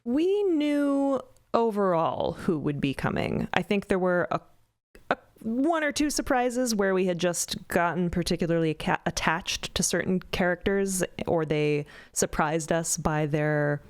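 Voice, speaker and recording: A woman co-creator of an audio drama talking through the making of its first season in a casual roundtable, thoughtful and explaining with small pauses and fillers. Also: fairly low pitch, expressive. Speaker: podcast co-creator guest.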